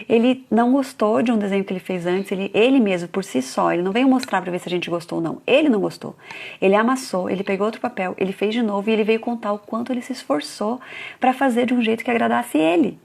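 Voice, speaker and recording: A woman's voice: mid-range voice, gravelly, a little mellow. A woman in her thirties giving a live talk on parenting, telling stories about her children and acting out what was said. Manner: storytelling, acting out family dialogue. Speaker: parenting educator.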